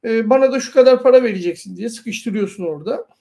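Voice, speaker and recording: A woman's voice: on the high side, quick pace, dark tone. A woman co-hosting a casual talk, giving informal, sardonic commentary and explaining her points at length. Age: adult past university years. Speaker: co-host.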